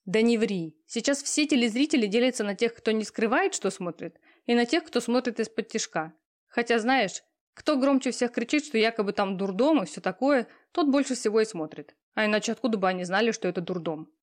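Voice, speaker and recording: A woman voicing a pushy, talkative young female friend who teases and lectures loudly. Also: a little high, lively intonation, brisk, lightly acted. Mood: bossy. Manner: loud, teasing, talkative.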